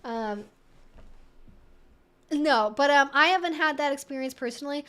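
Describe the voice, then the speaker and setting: A woman's voice: high voice, normal speed, fairly bright tone. A woman hosting a casual livestream Q&A, explaining things in a candid, conversational way with frequent asides. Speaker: livestream host, educator.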